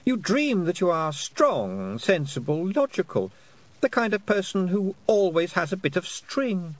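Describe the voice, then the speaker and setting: A man's voice: high-pitched, very animated, measured pace, voice pushed up. A man reading aloud and voicing a cruel, mocking fairy queen who taunts a girl. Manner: silky, taunting, condescending.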